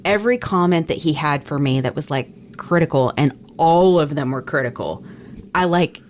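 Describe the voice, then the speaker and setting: A woman's voice: low voice, normal speed, a little hiss or hum. A woman who works in radio, chatting casually and acting out remembered exchanges as a podcast co-host. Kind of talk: casual conversational storytelling.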